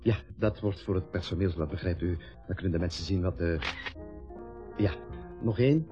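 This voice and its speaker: An actor playing a polite, hesitant, deferential photographer in a naturalistic radio drama. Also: male voice, low-pitched, normal speed, lightly acted. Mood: polite, fussy. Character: polite, apologetic, fumbling male staff photographer. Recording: dull lo-fi radio recording with music.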